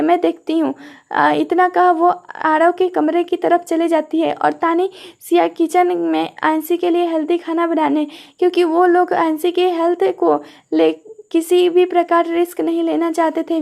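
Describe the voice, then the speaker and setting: High, gravelly woman storyteller. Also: darkish tone. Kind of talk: audio story narration.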